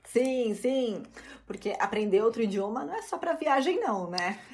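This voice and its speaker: A woman with a Brazilian Portuguese accent, a guest on a podcast, talking in a lively and agreeable way. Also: on the high side, normal speed. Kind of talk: casual podcast conversation.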